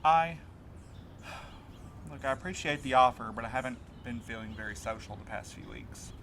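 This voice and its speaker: A man's voice: mid-range voice, normal speed, fairly bright tone, a little hiss or hum, lightly acted. A man playing a weary, guarded, grieving mail carrier in an audio drama. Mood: reluctant, tired. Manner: reluctant, guarded, terse. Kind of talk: naturalistic audio drama dialogue.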